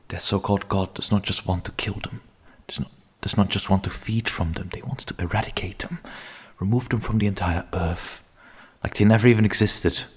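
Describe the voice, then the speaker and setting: A man playing a grim, menacing vampire hunter in an ASMR roleplay, speaking slowly and solemnly in a husky voice that often sinks into a whisper. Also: low-pitched. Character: grim male vampire hunter, menacing yet pleading captor. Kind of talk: ASMR roleplay, dramatic monologue.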